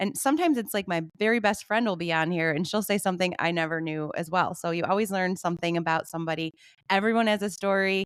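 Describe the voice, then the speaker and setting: Talking very fast with a Michigan accent, a woman keeps a medium pitch and ordinary pitch variation. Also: very clean recording, silent background. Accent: US Midwest (Michigan). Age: 40s. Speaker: podcast host. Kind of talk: casual interview chat.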